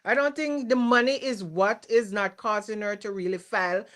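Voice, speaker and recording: A woman's voice: mid-range voice, normal speed, fairly bright tone. A woman from Jamaica co-hosting a casual live stream, patiently explaining her view. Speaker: co-host.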